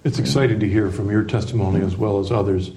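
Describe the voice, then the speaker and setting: A man hosting a program, asking questions with gentle prompts and brief affirmations. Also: lowish voice, quick pace, a little hiss or hum. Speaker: TV program host. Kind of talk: interview hosting.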